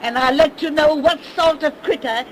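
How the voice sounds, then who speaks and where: A woman's voice: high voice, moderate pace, close to an everyday voice. A woman voicing a sly, gleeful old witch storyteller with a rustic drawl and a cackle, in 1930s radio drama style. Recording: scratchy 1930s radio recording.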